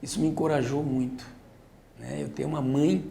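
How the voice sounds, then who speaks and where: Somewhat breathy and at a moderate pace, a man talks in a fairly high pitch, with audible echo from the room. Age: 60s. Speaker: business founder. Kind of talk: interview.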